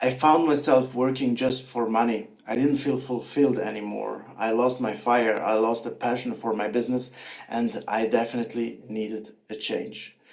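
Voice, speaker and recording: A plain, everyday voice from a man with medium pitch, fairly even intonation and a moderate pace. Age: 30s. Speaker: network marketer, former IT entrepreneur. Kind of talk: testimony.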